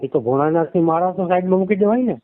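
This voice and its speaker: Man in his 60s, Saurashtra Gujarati accent, somewhat high-pitched, brief matter-of-fact replies over a narrow phone connection. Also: quick pace, dry recording. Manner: terse, plain, gives short agreeing answers. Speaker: caller, husband in a domestic dispute. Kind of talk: casual phone conversation. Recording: tinny, narrow phone-call audio.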